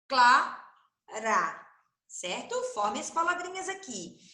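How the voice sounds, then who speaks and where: A Brazilian woman teaches a recorded lesson to young children, stretching and stressing every syllable. Her voice is high and bright, and it bounces in a roomy, echoing space. She takes her time over each word. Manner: slow, sing-song, stresses each syllable. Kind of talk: recorded online lesson for first graders. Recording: roomy echo.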